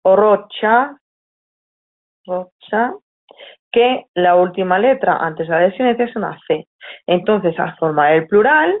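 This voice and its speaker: A lowish-voiced woman with a Spain Spanish accent teaches students at a moderate pace, her intonation lively. She explains patiently, checks in often to see if they follow, and corrects herself mid-sentence. The sound is tinny and phone-like.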